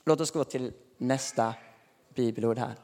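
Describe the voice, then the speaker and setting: A man preaching a sermon in a relaxed, conversational way with light chuckles, recorded in a church hall. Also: medium pitch. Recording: long hall reverb.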